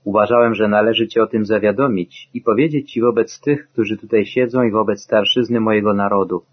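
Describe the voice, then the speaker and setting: A man reading the part of Boaz, an older landowner, kind and firm, in a solemn, measured way, in a dull lo-fi recording. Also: on the low side, fairly even intonation, breathy edge.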